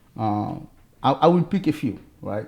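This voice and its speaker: With an African accent, a man speaks in a somewhat breathy voice of dark, mellow tone. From Congo. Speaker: tech executive. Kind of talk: interview.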